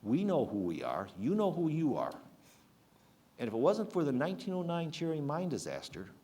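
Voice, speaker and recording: An older man giving a public talk, earnest and halting, with frequent restarts. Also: fairly high pitch, wildly swooping pitch, mellow, slight background noise. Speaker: speaker at a public program.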